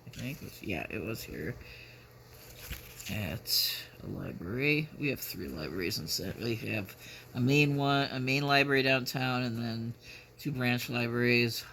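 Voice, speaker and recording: Halting, gravelly middle-aged man chatting casually. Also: mid-range voice, bright, forceful tone. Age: 50s. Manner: halting, musing, rambling. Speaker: vlogger. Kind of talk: casual chat. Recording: noticeable background noise.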